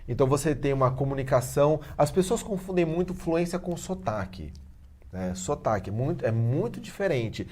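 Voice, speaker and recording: A middle-aged man, a guest on a talk-show interview, explaining his teaching method in an animated, persuasive way. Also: fairly high pitch, normal speed. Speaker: guest, head of a language school.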